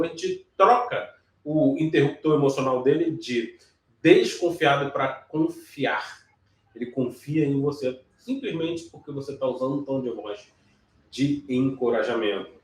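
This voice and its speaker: A man's voice: mid-range voice, darkish tone. A man teaching real estate agents sales technique, explaining step by step and checking in often with short questions. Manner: explanatory, frequent check-ins like "ok?" and "certo?", some restarts. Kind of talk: sales training lesson. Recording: echoey room, voice from some distance.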